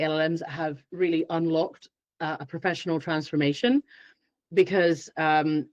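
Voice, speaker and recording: A woman's voice: lowish voice, dry recording. Woman, podcast guest, acts out her own thoughts, dry muffled sound. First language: Finnish. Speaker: guest expert. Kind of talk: podcast interview.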